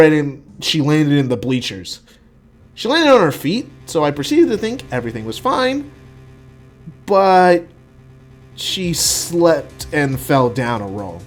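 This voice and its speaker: A man giving an expressive, casual dramatic reading of his own first-person writing. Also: on the high side. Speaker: writer reading own work.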